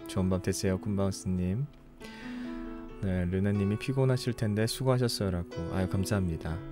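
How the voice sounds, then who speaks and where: Tired young guy from ulsan, mellow lowish voice, soft easygoing late-night chat, faint guitar behind. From Ulsan, South Korea. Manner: soft, unhurried, apologetic and thankful. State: tired after a long broadcast. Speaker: book-reading livestream host. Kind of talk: casual chat reading listener comments.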